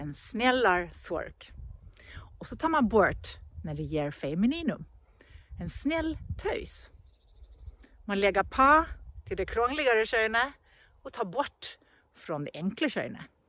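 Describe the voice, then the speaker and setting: Speaking with a Gotland accent, a woman uses a bright, sharp tone, vocal fry and a fairly high pitch with very wide pitch swings and big swings in loudness, moving at a very slow pace with long, frequent pauses in a dry sound with no echo. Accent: Gotlandic dialect. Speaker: dialect video host. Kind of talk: dialect grammar lesson to camera. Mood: playful, humorous. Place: open country. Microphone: phone near.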